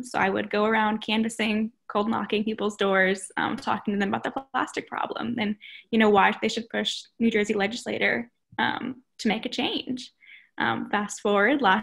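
Over a quiet background, a woman with a fairly high pitch and vocal fry speaks at a moderate pace. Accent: American. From US Northeast. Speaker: university sustainability coordinator; panelist. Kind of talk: panel discussion. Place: home room. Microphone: video call.

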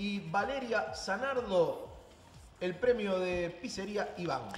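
A man's high voice with ordinary pitch variation, audible room echo and light background noise. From Argentina. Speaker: local radio and TV host; local radio, TV host. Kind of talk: casual chat. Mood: relaxed nostalgic banter. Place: studio.

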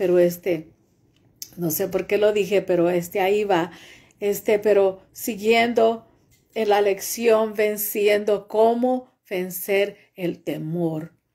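Against a quiet background, a woman speaks very slowly in a dark, mellow tone with fairly even intonation. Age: 50s. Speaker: church preacher. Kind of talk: sermon. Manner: halting, many fillers. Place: home room. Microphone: phone near.

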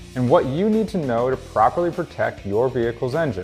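Faint music plays in the background while a man speaks at a fairly quick pace. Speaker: host of automotive oil video. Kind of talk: scripted explainer. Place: studio.

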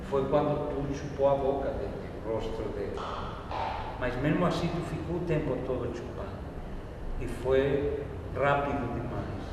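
Amid noticeable background noise and strong room echo, a man talks fairly slowly with fairly even intonation and long, frequent pauses. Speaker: theater workshop instructor. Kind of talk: critique feedback to a student. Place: hall. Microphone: camera far.

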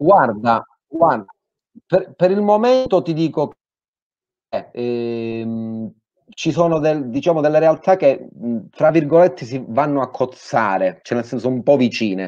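The pace is fairly slow, broken by long, frequent pauses. The intonation stays lively against a quiet background. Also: man, fairly high pitch for a man. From Calabria, southern Italy (Cosenza); Calabria. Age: 40s. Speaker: punk drummer and festival organizer; guest. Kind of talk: casual interview. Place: home room. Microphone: video call.

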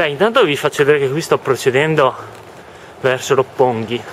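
A man of medium pitch speaks fairly quickly over light background noise. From Italy. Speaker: travel vlogger. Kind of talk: casual walking vlog; casual vlog chat. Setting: outdoors. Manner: rambling, many fillers. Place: street. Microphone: phone near.

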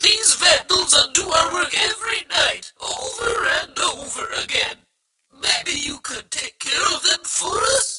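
A man's put-on character voice, extremely high-pitched and fairly slow. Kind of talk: video game character dialogue. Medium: dub.

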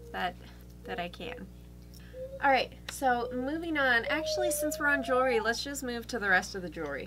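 A woman talks at a moderate pace. Behind her, music plays. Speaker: beauty vlogger. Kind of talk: casual vlog chat. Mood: cheerful, excited. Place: home room. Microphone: camera far.

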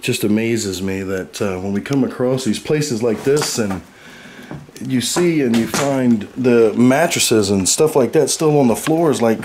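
The speaker keeps a moderate pace and ordinary pitch variation, with noticeable background noise behind the voice. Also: man. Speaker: urban explorer vlogger. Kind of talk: casual vlog commentary. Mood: amazed, calm.

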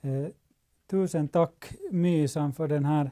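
With fairly even intonation, a man speaks in a dark, mellow tone at a fairly high pitch over a quiet background. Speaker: moderator. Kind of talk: webinar moderation. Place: studio.

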